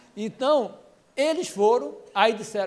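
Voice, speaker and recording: Very wide pitch swings from a man speaking at a fairly slow pace. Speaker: education speaker, former university rector. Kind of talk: lecture. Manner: animated storytelling.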